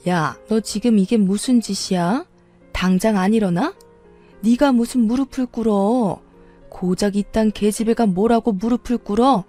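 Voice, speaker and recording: A woman's voice: mid-range voice, unhurried, dark tone, soft background music, natural voice. A woman voicing a possessive sister-in-law who screams insults. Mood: scornful.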